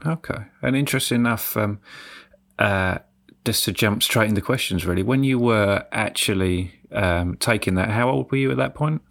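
A man hosting a podcast interview, relaxed and hesitant, with many ums. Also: lowish voice, moderate pace, creaky, no room sound, clean studio sound. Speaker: podcast host. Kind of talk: casual interview.

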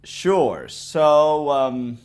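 A man from Egypt, a guest on a podcast, telling his life story in a relaxed way with hesitant fillers. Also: on the high side, very slow. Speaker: interview guest. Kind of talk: interview, personal story.

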